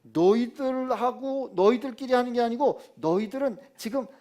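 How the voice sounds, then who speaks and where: A man's voice: extremely high pitch, moderate pace, dark tone. A male pastor voicing the Lord as a blunt, fatherly figure who reassures Paul in plain speech. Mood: reassuring.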